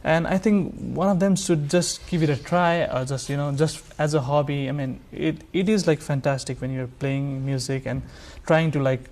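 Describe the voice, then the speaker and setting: A man's voice: on the high side, steady tone, moderate pace, hardly any pauses, darkish tone. A man, a musician guest, talking casually and hesitantly with many fillers and restarts. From Nepal. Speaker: musician guest, sarangi player. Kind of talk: casual interview talk.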